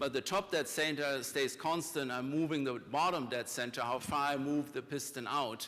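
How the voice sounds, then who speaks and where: A man talks at a moderate pace in a bright, sharp tone. His pitch is fairly high, with fairly even intonation. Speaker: invited conference speaker. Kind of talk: technical conference presentation. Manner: halting, many fillers.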